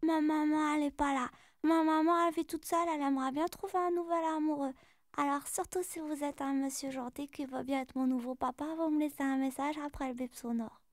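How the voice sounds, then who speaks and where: A woman's voice: high voice, fairly even intonation, brisk, no echo, clean studio sound, close to an everyday voice. A woman voicing an innocent, candid little child in a comic answering machine sketch. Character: innocent little child seeking a new daddy.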